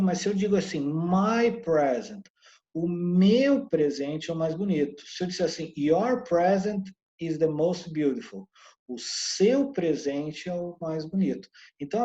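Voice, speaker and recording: A Brazilian-accented man giving an English lesson in a soft, mellow voice. He explains patiently and slows right down to sound out each English word. The audio is somewhat dull and lo-fi. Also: a little high. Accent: Brazilian Portuguese. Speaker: English teacher.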